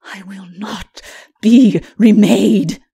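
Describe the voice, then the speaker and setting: A woman voicing a bitter, proud, anguished princess in a dark fantasy audiobook, gasping out her words in defiant bursts. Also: medium pitch, fairly even intonation, very slow, creaky, husky, exaggerated voice.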